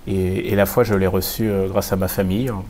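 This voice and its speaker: Middle-aged french priest, lowish voice, lots of uh and repeats, faint rumble behind. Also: male voice, level tone, darkish tone. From France. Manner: halting, repeats words, many fillers. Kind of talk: personal testimony in an interview.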